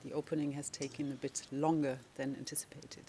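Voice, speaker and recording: A lawyer for victims in a courtroom, speaking slowly and deliberately while explaining procedure and questioning a witness. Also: mid-range voice, level tone, mellow. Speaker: legal representative of victims.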